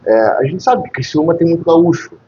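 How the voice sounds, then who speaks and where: A man's voice: fairly high pitch, fairly quick, mellow, a little hiss or hum. A man hosting a casual interview, prompting his guests and finishing their sentences. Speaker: podcast host, interviewer. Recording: dull lo-fi audio.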